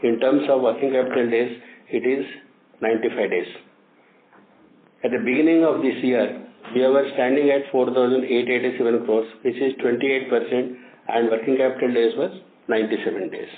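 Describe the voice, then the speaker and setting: A man's voice: medium pitch, fairly even intonation, moderate pace. A man with an Indian accent formally reading out financial figures as an executive on a company earnings call, now and then stumbling over numbers. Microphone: phone conference line. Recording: tinny phone line, echoey, faint noise.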